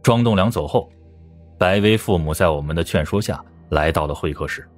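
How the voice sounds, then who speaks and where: A man's voice: sits low, brisk, soft background music. A man narrating a crime audiobook in a scripted, dramatic storytelling style.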